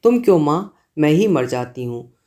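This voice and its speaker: A woman's voice: sits low, big pitch swings, moderate pace, warm tone. A man reading a young woman, pleading and firm. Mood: defiant. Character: troubled young woman, torn and stubborn.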